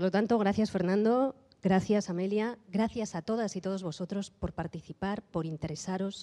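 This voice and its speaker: Fairly even intonation and a dark, mellow tone carry this voice at a moderate pace, captured in a very clean recording with a silent background. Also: woman, medium pitch for a woman. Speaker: journalist. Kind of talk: talk at a public event. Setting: live event with audience.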